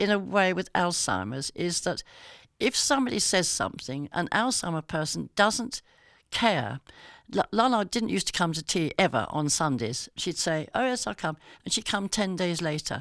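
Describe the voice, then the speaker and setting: A woman speaks at a moderate pace, her pitch swinging very widely and her voice showing vocal fry. The recording is dry and close, with no echo. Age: 80s+. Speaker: author. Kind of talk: interview answer.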